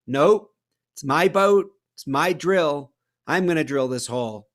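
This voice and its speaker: A man voicing a stubborn, calm old fisherman in a storybook reading, answering in a flat, matter-of-fact way. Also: high voice, normal speed, voice pushed up.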